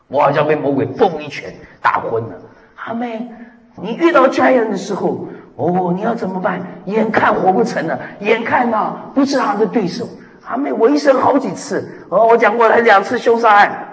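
A middle-aged man preaching a sermon as pastor, lively and emphatic, dropping hallelujahs and amens between points. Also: high-pitched. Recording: echoey hall with long reverb.

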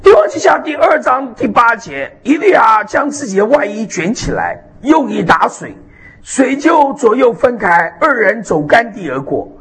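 A man preaching a sermon, animated and emphatic, with frequent hallelujahs and amens. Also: very high-pitched, normal speed, hardly any pauses. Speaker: pastor.

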